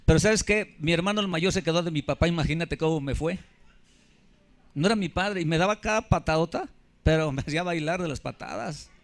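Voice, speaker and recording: A pastor in his fifties preaches in a slightly high voice for a man. He speaks with emphasis and keeps turning to the congregation with questions. His delivery is a sermon, direct and insistent. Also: fairly quick. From Mexico. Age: 50s.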